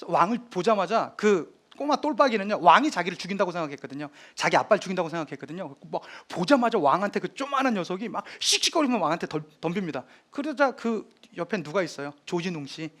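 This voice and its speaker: Animated male history lecturer. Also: high-pitched, fast, few pauses. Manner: lively storytelling, acts out scenes. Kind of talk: animated lecture retelling drama scenes.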